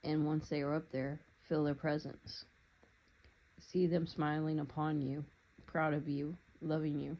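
Meditation guide, steady flat delivery, soft calm instructions, slightly muffled lo-fi recording. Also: medium pitch. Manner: calm, unhurried, gently instructive.

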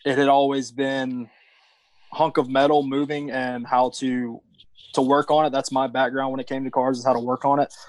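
A man guesting on a casual podcast chat, thoughtful and a little halting. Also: medium pitch, level tone, no room sound, poor audio. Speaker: podcast guest, training student.

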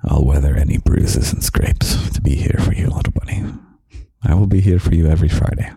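A young man hosting a podcast of gentle, half-whispered comfort talk, slow and soft with quiet chuckles, close to the microphone. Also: very deep voice, vocal fry, slightly rough, no echo. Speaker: podcast host.

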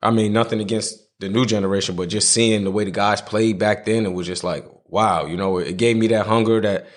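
Laid-back low-voiced New man. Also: fairly even intonation, fairly quick. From Brooklyn, New York. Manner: laid-back, trails off with "you know". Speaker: guest. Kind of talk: casual conversational interview.

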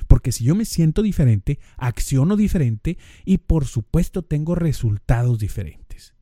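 A man's voice: on the high side, expressive, moderate pace, mellow, no echo, studio quality. A man with a northern Mexican accent hosting a podcast in a casual monologue, speaking straight to the listener and acting out little dialogues. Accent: northern Mexican Spanish. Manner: conversational, addresses listener directly, acts out little dialogues. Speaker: podcast host.

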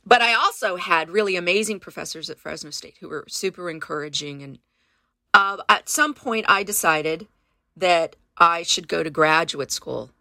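A woman's voice: fairly low pitch, normal speed, bright, forceful tone, no room sound. A woman in her fifties from California, Spanish her first language, talking earnestly through her past in an interview and often restarting her sentences. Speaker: guest. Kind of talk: reflective interview conversation.

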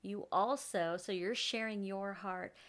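A woman's voice: medium pitch, unhurried, a bit bright. A woman co-hosting a Christian teaching talk, encouraging listeners and repeating words as she builds her points. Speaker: Christian teaching show co-host. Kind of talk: conversational Bible teaching.

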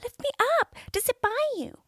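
A woman reading a storybook, voicing a small male enchanted frog who calls in a high, slow, drawn-out way. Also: fairly bright tone, no room sound, clean studio sound, close to an everyday voice. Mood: demanding.

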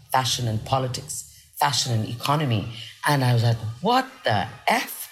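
A woman from Nepal who grew up in India, a journalist and podcast guest, telling her story in an articulate, animated way. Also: rumbling low. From Nepal, raised in India. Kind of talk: casual conversational interview.

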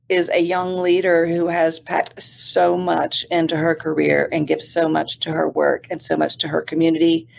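A woman hosting an interview podcast, reading a guest's introduction and asking relaxed questions. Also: fairly low pitch, creaky, a little hiss or hum. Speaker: podcast host.

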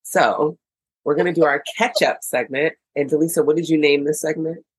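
Low husky woman co-hosting a chat podcast. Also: fairly even intonation, moderate pace, no room sound, rough recording. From United States. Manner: chatty, playful, upbeat. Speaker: podcast co-host. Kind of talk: casual chat.

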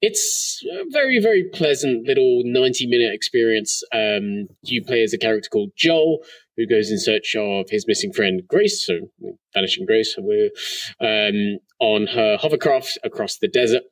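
A man with a lowish voice co-hosts a relaxed podcast chat, his speech full of casual "like" fillers. His muffled mic makes him sound as if he is talking through a tin can. The voice sits back from the mic in a dry, dead-sounding space. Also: normal speed, dry recording, recorded from a distance. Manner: chatty, many "like" fillers. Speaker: co-host.

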